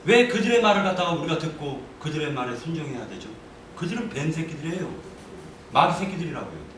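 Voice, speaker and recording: A man's voice: fairly high pitch, big pitch swings, fast talker, a bit bright. A man giving a passionate church testimony, denouncing and growing angry as he speaks. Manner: vehement, denouncing, rising to anger. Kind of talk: impassioned testimony. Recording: echoey room, voice from far off, faint noise.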